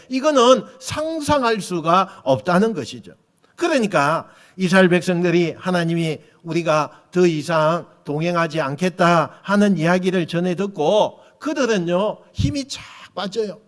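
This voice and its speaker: A man preaching a Sunday sermon as pastor, emphatic and rising loud on key lines, voicing quoted speech. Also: high-pitched. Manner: voices God, Moses and the people in quoted speech.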